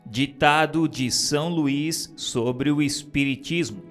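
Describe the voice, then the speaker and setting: A man giving a solemn, earnest reading of a religious text, measured and exhorting. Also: on the high side, a bit bright. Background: faint music.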